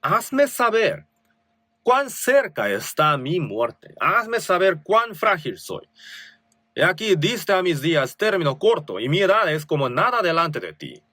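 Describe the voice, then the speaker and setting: A man's voice: high-pitched, very animated, measured pace, bright, forceful tone, no echo, studio quality. A male pastor with a Korean accent preaching a sermon, reading scripture with rising emphasis and asking rhetorical questions.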